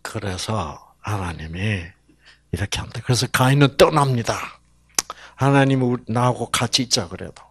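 Animated Korean male preacher. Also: mid-range voice, normal speed, breathy edge, no echo. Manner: animated, rhetorical questions, acts out voices in regional dialects. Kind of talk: sermon.

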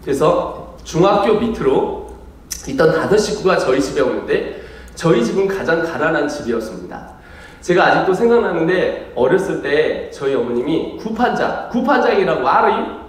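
A man from the Chungcheong region preaching at a rally, moving from light banter with the crowd to earnest storytelling. His delivery is animated and a touch high. His voice booms through a large echoing hall from a distance. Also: normal speed. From South Korea, Chungcheong region. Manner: joking, then earnest storytelling. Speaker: missionary preacher. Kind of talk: sermon at an evangelistic rally. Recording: echoey hall from far off.

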